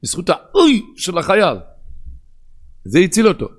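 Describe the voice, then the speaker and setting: A man with an Ashkenazi Hebrew pronunciation giving a sermon in a sing-song study cadence that swings between loud and hushed. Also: sits high, wildly swooping pitch.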